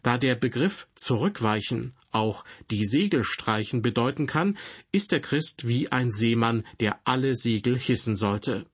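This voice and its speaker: A man giving a scripted radio Bible teaching in a calm, measured, explaining way. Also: medium pitch, husky.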